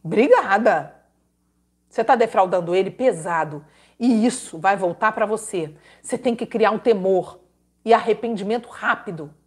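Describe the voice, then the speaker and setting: A woman's voice: medium pitch, moderate pace, slightly rough. A woman hosting a live advice stream, emphatic and scolding, with dramatic repetitions and religious exclamations. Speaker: host giving relationship advice. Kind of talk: live-stream advice, reading letters aloud.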